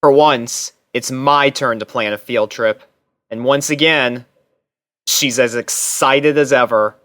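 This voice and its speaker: A man narrates a first-person story from a script. His voice is lowish to medium in pitch, recorded dry and close with no room sound. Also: steady tone, slow, a bit bright, dry recording. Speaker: narrator and reader.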